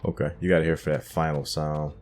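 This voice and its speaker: Very deep-voiced man giving casual game commentary. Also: level tone, fast, darkish tone. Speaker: gaming streamer playing through a game. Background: game music.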